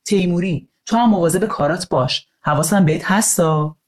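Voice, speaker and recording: A woman's voice: fairly low pitch, natural voice. A woman doing a stern school principal. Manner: stern, scolding. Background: guitar music.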